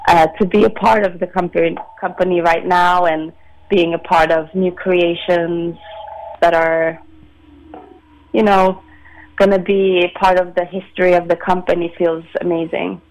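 A woman in her late twenties, from Sweden, a ballet dancer answering interview questions in a measured, soft-spoken way with many pauses. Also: on the low side, level tone, low-quality recording. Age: 20s. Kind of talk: phone-in radio interview.

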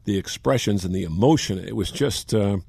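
Husky older man telling sports stories. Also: on the low side, a little fast, dry recording. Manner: animated anecdotes, acts out quotes. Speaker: sports broadcaster. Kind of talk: casual storytelling chat.

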